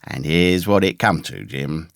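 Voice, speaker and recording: A man voicing a ragged, pious, half-crazed castaway sailor with a hoarse, awkward voice and rambling rustic seaman's talk, in a storybook reading. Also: rumbling low, lively intonation, measured pace, no room sound, clean studio sound, pitched below the performer's own voice, full character voice. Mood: confiding, rambling.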